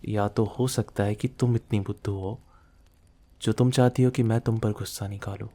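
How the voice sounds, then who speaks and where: A man's voice: fairly low pitch, fairly even intonation, normal speed, warm tone, close to an everyday voice. A man playing a possessive, menacing mafia boss lover in an intimate ASMR roleplay, speaking in a threatening, teasing way to the listener. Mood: stern warning.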